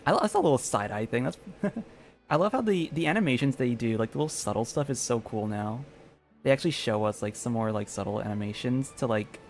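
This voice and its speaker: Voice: mid-range voice, lively intonation, fairly quick. A game streamer giving casual, chatty live commentary with informal, sweary phrasing. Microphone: streaming microphone. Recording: game music behind the voice.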